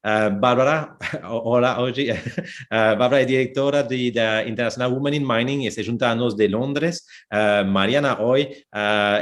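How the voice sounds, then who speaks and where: Hesitant French-accented man moderating. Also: mid-range voice. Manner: halting, many fillers and restarts. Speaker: webinar moderator. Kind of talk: hesitant panel introduction.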